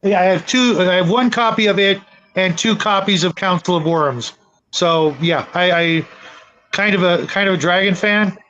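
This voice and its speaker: A man talking casually in a panel discussion, halting and often repeating his words as he thinks aloud. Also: high voice, bright, forceful tone. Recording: dull lo-fi audio.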